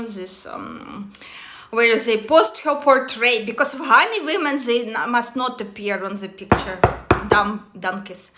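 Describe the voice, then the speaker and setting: A woman's voice: on the high side, bright, forceful tone. A woman speaking slightly broken English in an angry, scornful, profane monologue. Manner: non-native English grammar. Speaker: tarot and destiny matrix reader.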